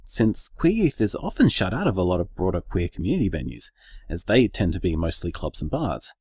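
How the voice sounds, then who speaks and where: An actor playing an earnest gay bar co-owner in a radio drama interview, with an Australian accent and an articulate, measured manner. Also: male voice, lowish voice, darkish tone, slightly rough, no echo, clean studio sound, exaggerated voice.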